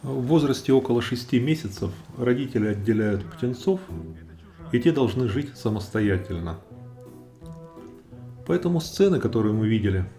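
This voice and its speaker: A man giving a calm, explanatory nature commentary. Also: medium pitch. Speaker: narrator of a nature video. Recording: roomy echo, faint music behind.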